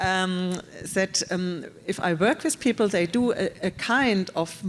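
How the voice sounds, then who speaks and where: A woman speaks very slowly with a fairly low pitch and ordinary pitch variation. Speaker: sculptor. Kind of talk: panel discussion. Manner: halting.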